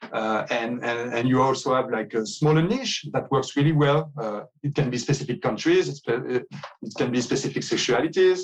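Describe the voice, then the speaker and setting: At a moderate pace, a man speaks with a French accent and ordinary pitch variation. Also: medium pitch for a man. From France. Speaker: app co-founder and product officer. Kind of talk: casual interview chat.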